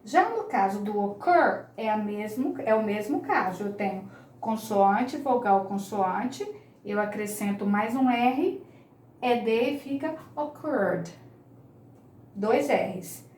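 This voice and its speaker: A woman's voice: medium pitch, animated, slow, a little mellow, echoey room. A woman, teaching English grammar in an online lesson, patiently repeating each key point.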